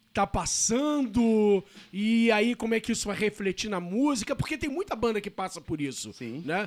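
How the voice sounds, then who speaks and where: The intonation is lively and the pace moderate on a very clean recording with a silent background. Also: man. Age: 40s. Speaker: podcast host. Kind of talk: casual interview.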